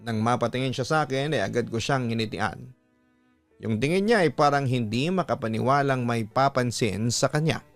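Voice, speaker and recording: Reading at a normal speed with a medium pitch, a man with a Filipino accent plays radio host and narrates a listener's letter dramatically from a script. Background music runs underneath, and there's no room sound.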